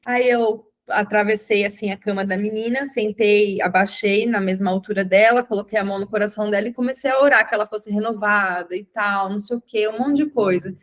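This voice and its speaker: A young Brazilian woman teaches an informal Christian class in a mid-pitched voice. She tells her story as a lively storyteller, acting out the dialogue she quotes. She keeps turning to her listeners with quick checking questions. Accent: Brazilian Portuguese. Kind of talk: informal Bible class with a personal testimony.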